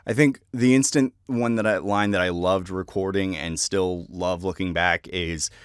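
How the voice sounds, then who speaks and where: A man's voice: sits low, fairly even intonation, moderate pace, smooth, no room sound, studio quality. A man talking casually to viewers as a voice actor, presenting favorite characters.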